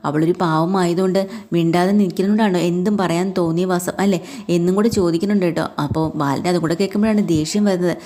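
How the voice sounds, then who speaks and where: A woman's voice: lowish voice, fairly even intonation, fast talker, warm tone. A woman casually retelling a family drama serial, with chatty asides to the listener. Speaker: storyteller.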